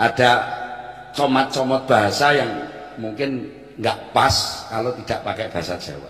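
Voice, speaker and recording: A man speaks at medium pitch and a moderate pace, with a Javanese accent and ordinary pitch variation. Long, frequent pauses break his speech, and noticeable background noise and audible room echo fill the recording. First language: Javanese (speaking Indonesian). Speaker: Islamic cleric. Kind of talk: religious lecture. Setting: religious gathering with audience.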